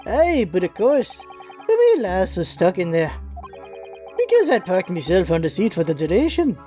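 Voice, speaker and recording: A man voicing a smooth, genial, self-righteous gentleman in a video game. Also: sits high, wildly swooping pitch, moderate pace, faint music behind. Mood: genial, self-assured.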